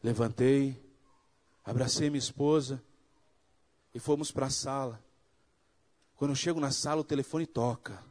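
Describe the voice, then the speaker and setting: A man's voice: medium pitch, a little slow, pauses often. A man from Brazil giving a sermon testimony, acting out the dialogue in his story and building to fervent preaching. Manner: animated storytelling, acts out dialogue.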